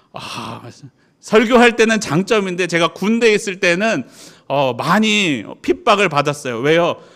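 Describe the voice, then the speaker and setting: Here a man talks at a high pitch and a moderate pace. The recording is very clean, with a silent background. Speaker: pastor. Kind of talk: sermon. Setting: church. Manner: formal.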